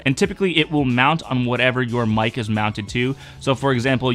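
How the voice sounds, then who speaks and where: Young male tutorial host, baritone, matter-of-fact delivery, quiet music bed. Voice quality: mid-range baritone. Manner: steady, instructive, matter-of-fact. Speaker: streaming tech tutorial host. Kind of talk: explaining microphone setup tips. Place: home streaming desk. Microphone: dynamic mic on a boom arm.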